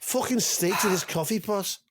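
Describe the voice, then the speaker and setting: A man's voice: high voice, normal speed, fairly bright tone, a little hiss or hum, voice pushed up. A man putting on a foul-mouthed, bullying Liverpool kitchen boss who barks sweary orders. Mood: barking.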